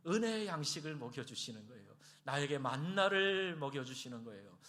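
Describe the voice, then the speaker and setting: A man preaching a Sunday sermon as pastor, acting out quoted prayers and voices with big swings in pitch and loudness. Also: sing-song, a little fast. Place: church sanctuary.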